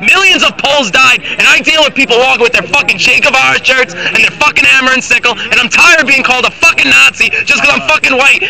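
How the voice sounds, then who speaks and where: A man speaks at a very fast pace with hardly any pauses and very even loudness. Light background noise is present. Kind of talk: heated political argument. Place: street.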